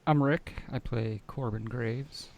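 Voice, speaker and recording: A man's voice: medium pitch, steady tone, takes it slowly, gravelly, darkish tone. A man chatting informally and joking as a player on a tabletop game podcast. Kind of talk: casual group banter.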